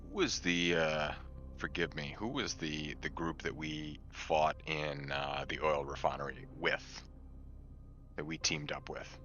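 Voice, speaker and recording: A man's voice: a bass voice, unhurried, pushed and bright, soft background music. A man playing a tabletop game, hesitantly and politely proposing plans on a slightly dull voice track. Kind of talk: in-game planning chat.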